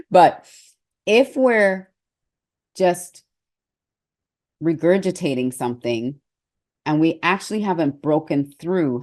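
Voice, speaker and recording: A woman's voice: extremely low pitch, darkish tone. A middle-aged woman giving an earnest, conversational motivational talk as a success coach, with hesitant restarts.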